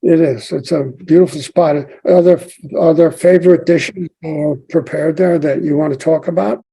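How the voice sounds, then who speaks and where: An older man hosting a podcast, asking halting questions that trail off. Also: fairly high pitch, steady tone, gravelly, mellow, slightly rough, poor audio. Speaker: podcast host, newspaper founder. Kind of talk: interview questions.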